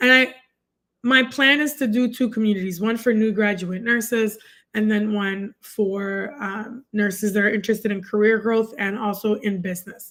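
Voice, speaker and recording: Speaking with a French accent and fairly even intonation, the voice comes through on a very clean recording with a silent background. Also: woman, fairly high pitch for a woman, moderate pace. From grew up in Canada, immigrant from French-speaking country. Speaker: nurse career coach and podcast host. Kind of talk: live stream talk to viewers. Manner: conversational with frequent fillers.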